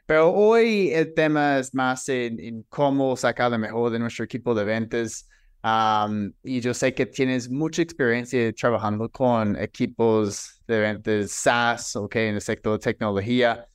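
Energetic male podcast host, clear resonant voice, dry booth sound. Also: mid-range voice, measured pace, no echo. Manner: energetic, asks long questions with fillers. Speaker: podcast host, sales expert. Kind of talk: upbeat podcast interview.

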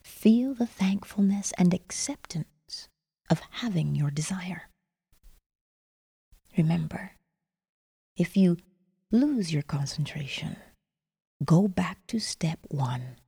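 A woman narrates a guided sleep meditation like a sleep story, soft and breathy, often near a whisper, in measured instructions with lingering pauses. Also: lowish voice, animated. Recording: long reverberant echo.

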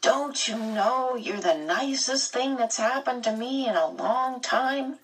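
A woman doing a gentle teenage boy. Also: fairly high pitch, animated, takes it slowly, husky, recorded from a distance, voice pushed up, exaggerated voice, rough recording. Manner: gentle, reassuring.

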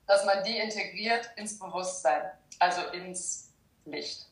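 A woman's voice: medium pitch, a little slow. Hesitant woman on a roomy distant line. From Germany. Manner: hesitant, explanatory, many fillers. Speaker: guest, shadow work practitioner. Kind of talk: casual interview talk.

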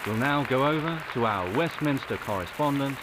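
A man's voice: medium pitch, expressive, normal speed, lightly acted. An actor playing a formal, declamatory male election-night news announcer in a comedy audio drama. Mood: formal, excited. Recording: noisy crowd behind the announcer.

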